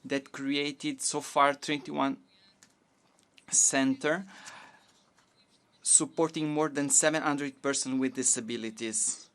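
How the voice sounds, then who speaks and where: Woman minister, smooth resonant voice, slow careful formal delivery. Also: extremely low pitch, steady tone. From Portugal. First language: Portuguese. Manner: measured, halting delivery with restarts. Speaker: government minister giving a statement. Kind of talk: formal conference speech in a second language.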